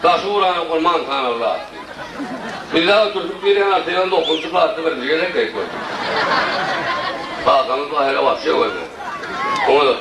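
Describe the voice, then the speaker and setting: A man from Turkmenistan, a satirical comedian, tells comic stories live on stage, now and then jumping into high shouted chants. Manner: lively, bursts into sudden high shouted chants. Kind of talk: live stand-up storytelling. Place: stage before a laughing audience. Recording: roomy live recording from a distance, crowd and noise.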